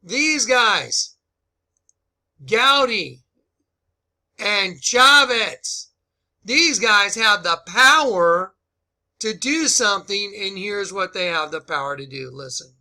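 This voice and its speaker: Forceful, high-pitched man, emphatic American commentator. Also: animated, slow, pauses often. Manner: emphatic, urgent, folksy, commanding. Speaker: online commentator. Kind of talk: impassioned commentary on a played clip.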